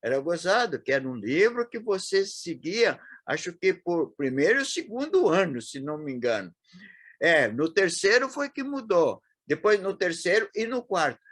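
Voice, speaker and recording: A man in his eighties with a São Paulo accent, reminiscing as an interview guest, talking haltingly with frequent restarts and fillers. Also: high voice, sing-song, fairly bright tone, no echo, studio quality. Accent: Paulistano Brazilian Portuguese. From São Paulo, Brazil. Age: 80s.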